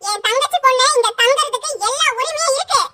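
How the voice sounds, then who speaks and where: A woman's voice: very high-pitched, fast talker. A woman voicing a kind, patient older sister who soothes her family. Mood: soothing. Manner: soothing, gentle. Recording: loud background noise.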